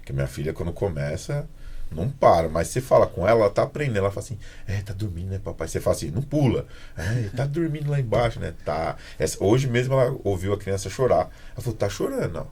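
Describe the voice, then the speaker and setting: A Brazilian man hosts a relaxed podcast chat and talks fast, with a lot of swing in his voice. His tone is low and slightly husky, and he slips into playful imitations of children as he tells his stories. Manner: animated storytelling, mimics his daughter and kids. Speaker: podcast host.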